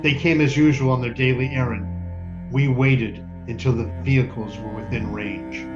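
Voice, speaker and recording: An actor playing a solemn, bitter ghetto survivor who narrates a stage drama in a deliberate, declamatory way. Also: male voice, medium pitch, fairly even intonation, lightly acted. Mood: grave, tense. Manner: grave, deliberate, declamatory, with emphatic lists. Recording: dull, lo-fi stage recording. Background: music.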